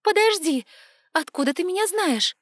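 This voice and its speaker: A woman voicing an anxious, impulsive young heroine in an excitable, questioning manner. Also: fairly high pitch, measured pace, no room sound, clean studio sound. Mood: agitated. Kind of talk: audiobook dialogue.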